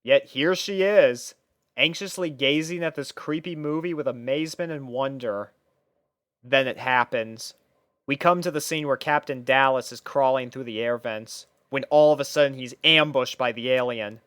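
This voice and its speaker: Smooth, dry-sounding male story narrator. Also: mid-range voice, moderate pace, fairly bright tone, dry recording. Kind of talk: scripted first-person story narration.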